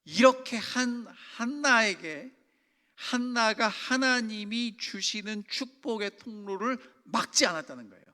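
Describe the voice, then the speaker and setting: High, bright-voiced pastor preaching in a reverberant church. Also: male voice, lively intonation, measured pace. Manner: emphatic, asks the congregation questions. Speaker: senior pastor. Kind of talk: sermon. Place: church sanctuary.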